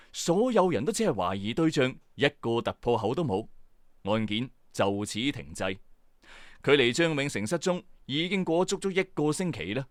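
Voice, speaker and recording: A man's voice: mid-range voice, no room sound, studio quality. A man with a Hong Kong Cantonese accent hosting and narrating a scripted true-crime mystery in a suspenseful, conversational storytelling manner. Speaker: storyteller host of a mystery channel.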